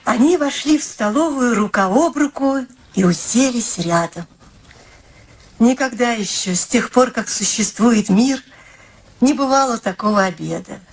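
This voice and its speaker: A woman acting in a radio play as a devoted, wry middle-aged daughter, soothing and practical with dry irony. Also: fairly high pitch. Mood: reading aloud. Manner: soothing, practical, dryly ironic. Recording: steady background noise.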